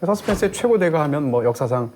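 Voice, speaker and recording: A man's voice: fairly high pitch, expressive, fast talker, a little mellow, slight background noise. A middle-aged man, a film critic co-hosting a review show, explaining his points in long, fluent, lecturing arguments. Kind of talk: analytical film review discussion.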